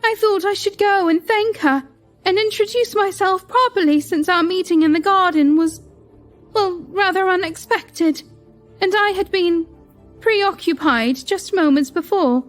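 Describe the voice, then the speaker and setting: A woman's voice: very high-pitched, a little slow, soft background music. A woman voicing a naive, tearful young royal concubine who speaks with childlike, pleading innocence. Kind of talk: audio drama acting.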